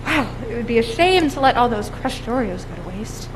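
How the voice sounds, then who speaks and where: A woman's voice: a little high, lively intonation, a little fast, close to an everyday voice. A woman as a bubbly sarcastic date. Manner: bubbly, sarcastic, laughs often. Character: chirpy young woman on a date. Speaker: stage actor. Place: high school auditorium stage. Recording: echoey auditorium, faint noise.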